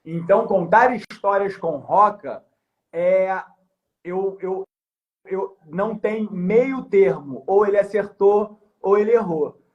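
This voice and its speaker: High-voiced Rio man telling a story. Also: slow pace, lo-fi sound. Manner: animated storyteller, acts out the voices and shouts in his story. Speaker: podcast guest, former elite police officer. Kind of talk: storytelling in a casual interview.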